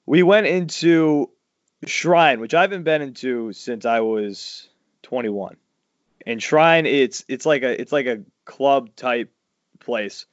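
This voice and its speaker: Telling stories loudly as the host of a casual podcast chat, this man in his 40s speaks slowly, his voice swinging up high whenever he gets worked up. There's no room sound, just a dull, dry lo-fi quality.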